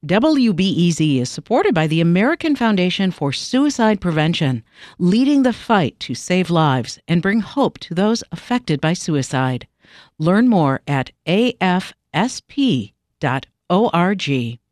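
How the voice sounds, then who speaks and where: A woman announcer reading a sponsor message in a clear, measured way. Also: on the low side, big pitch swings, a little mellow, no echo, clean studio sound.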